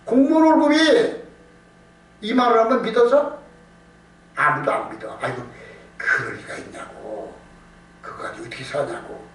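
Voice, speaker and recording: A male pastor with a high-pitched voice preaches at normal speed, leaving long pauses between lines. His Korean evening-service sermon is conversational yet emphatic, full of repetition and questions he asks and answers himself. Recorded indoors at church, the sound is echoey, distant, noisy and humming.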